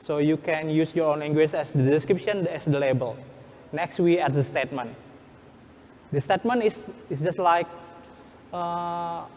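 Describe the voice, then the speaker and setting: A man with an Indonesian accent speaks in a fairly high voice, his words ringing in a reverberant hall. He teaches step by step as a workshop presenter, in halting English that circles back and rephrases. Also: a little mellow, a little hiss or hum. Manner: halting, repeats and rephrases in non-native English.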